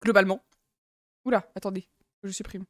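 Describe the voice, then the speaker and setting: A woman's voice: mid-range voice, little pitch movement, fairly quick, no echo, studio quality. A young woman from France streaming live, chatting casually and giggling as she reacts to her viewers.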